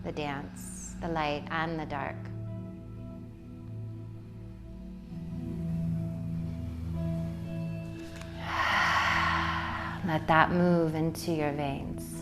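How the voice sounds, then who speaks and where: A woman leading a guided meditation in a poetic, soothing way, with deliberate phrasing and long pauses. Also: low voice, little pitch movement. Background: music.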